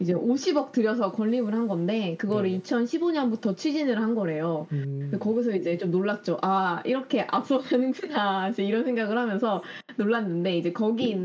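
The speech moves at a moderate pace with lively intonation and hardly any pauses, over noticeable background noise. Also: woman. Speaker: co-host or guest on podcast.

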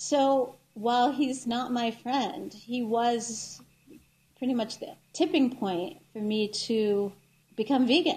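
At a very slow pace, a woman talks in a high pitch with ordinary pitch variation. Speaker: vegan blogger and activist. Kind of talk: reading blog aloud, then interview. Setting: at home, phone interview.

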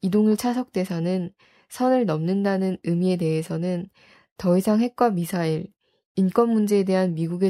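At a moderate pace and medium pitch, a woman speaks with fairly even intonation and a dark, mellow tone, the sound dry and close with no echo on a very clean recording with a silent background. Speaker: news reader reporting news items. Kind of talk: news reading. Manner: formal, steady.

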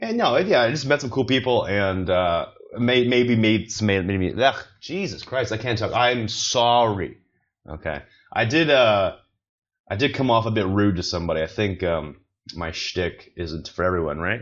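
Using an unremarkable speaking voice, a man keeps a medium pitch and moderate pace while his intonation stays lively. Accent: American. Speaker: podcast host comedian. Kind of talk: casual comedic monologue. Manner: rambling, self-deprecating, filler-heavy; casual, jokey.

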